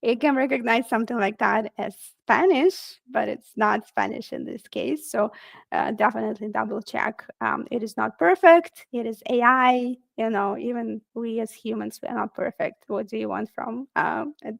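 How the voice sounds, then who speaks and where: A woman's voice: fairly high pitch, moderate pace, creaky, dry recording. A woman presenting a technical webinar in a casual, friendly way, with frequent fillers.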